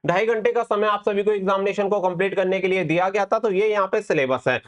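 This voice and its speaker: A man's voice: sits high, quick pace. A man hosting an exam-prep update, explaining things to students step by step and repeating key points. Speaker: exam-prep channel host.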